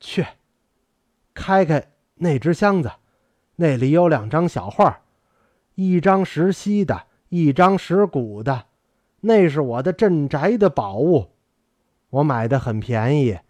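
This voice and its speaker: A man voicing a weary, gentle old scholar. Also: fairly high pitch, lively intonation, slow, long pauses, dry recording. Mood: earnest pleading. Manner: soft-spoken, earnest pleading. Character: aging male scholar, gentle, weary, grieving. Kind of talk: audiobook character voice.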